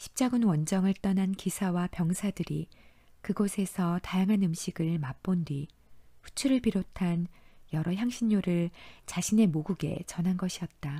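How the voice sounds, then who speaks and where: Somewhat breathy, with a dark, mellow tone, a woman speaks in a calm, soothing way at a fairly slow pace in a very clean recording with a silent background. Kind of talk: audiobook reading.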